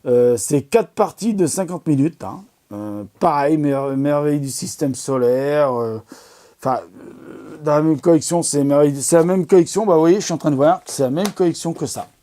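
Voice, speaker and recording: Rambling, enthusiastic man with a mellow voice. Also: fairly high pitch, moderate pace. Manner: enthusiastic, rambling, many fillers and restarts. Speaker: amateur astronomy video host. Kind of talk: casual product recommendation talk.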